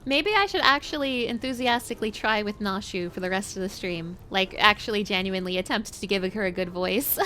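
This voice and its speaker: A woman streamer with a high-pitched voice, chatting in a bubbly, giggly way between game dialogue. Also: brisk, few pauses, sharp tone, a little hiss or hum. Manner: bubbly, giggly, filler-heavy chat. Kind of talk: casual chat while reading game dialogue.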